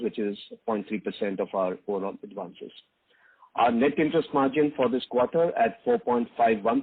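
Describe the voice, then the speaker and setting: A man with an Indian accent giving a financial briefing as a bank executive on a conference call, in a halting delivery with frequent uhs. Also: fairly low pitch, slightly rough. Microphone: conference call line. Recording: dull, lo-fi conference call line.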